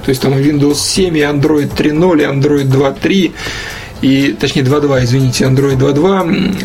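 A man's voice: fairly high pitch, steady tone, normal speed, a little mellow, slight background noise. A man talking casually about tech in a colloquial, slangy and opinionated way, as a guest in a conversation.

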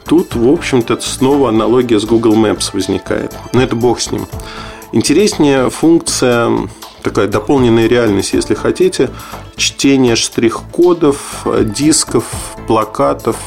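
A man's voice: mid-range voice, measured pace, vocal fry, darkish tone, soft background music. A man giving an informal spoken tech review in a matter-of-fact, skeptical, explanatory manner. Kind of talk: informal spoken product review, loosely scripted.

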